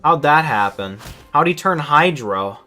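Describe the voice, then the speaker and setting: A man's voice: fairly high pitch, expressive, unhurried, bright, forceful tone. A man streaming a game with casual, exasperated, sweary running commentary, often stammering over repeated words. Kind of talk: casual live gameplay commentary. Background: game music.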